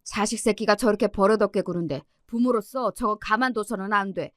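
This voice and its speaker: A woman voicing a gruff, hot-tempered middle-aged father who scolds sternly. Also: mid-range voice, a little fast, no echo, clean studio sound, lightly acted. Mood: stern scolding.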